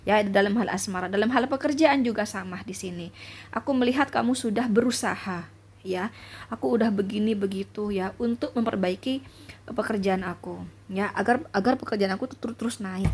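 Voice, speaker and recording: A woman's voice: medium pitch, a little fast, a little mellow, husky. A woman talking casually to viewers while selling jewelry and reading tarot cards, chatty and repetitive. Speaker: tarot reader and jewelry seller.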